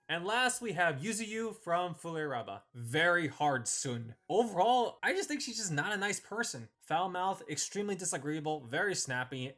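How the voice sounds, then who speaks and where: A man's voice: a little high, fairly bright tone. A man hosting a ranking video, delivering scripted, opinionated commentary with emphatic phrasing. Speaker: host ranking visual novel characters.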